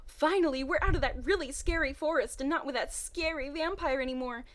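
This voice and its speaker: A woman voicing a frightened, hysterical young girl from a story, shouting and pleading. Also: sits high, brisk, voice pushed up, close to an everyday voice. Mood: scared.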